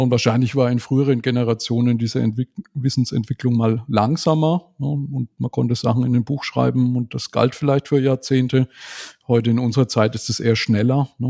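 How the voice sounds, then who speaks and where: A man in his forties, a podcast guest, talking in a thoughtful, measured way and often ending remarks with a questioning tag. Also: mid-range voice, vocal fry, mellow, breathy edge. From Germany. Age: 40s. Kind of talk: casual conversational interview.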